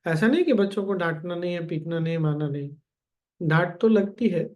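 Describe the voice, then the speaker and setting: A man giving a gentle spiritual discourse as a teacher, calmly addressing his listeners directly. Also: high voice, fairly quick, dull audio.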